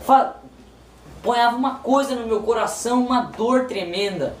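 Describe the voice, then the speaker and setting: A man's voice: very high voice, normal speed. A man with a Brazilian Portuguese accent telling a spiritual testimony in a repetitive, pleading, emotional way. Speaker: person giving a religious testimony. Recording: roomy, distant mic, faint noise.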